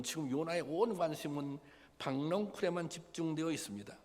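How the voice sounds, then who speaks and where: A male pastor preaching a sermon, asking the congregation rhetorical questions and sometimes voicing the figures in a plain conversational tone. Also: on the high side. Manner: acts out quoted lines in a plain conversational voice. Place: church sanctuary. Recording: long hall reverb.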